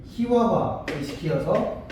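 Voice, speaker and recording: A man's voice: sits high, expressive, slow. A man teaching a Korean literature class, often checking in with students and acting out little scenes to explain. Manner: asks students frequent check-in questions; acts out short dialogues to explain. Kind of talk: classroom lecture. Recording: echoey room, mic far off, faint noise.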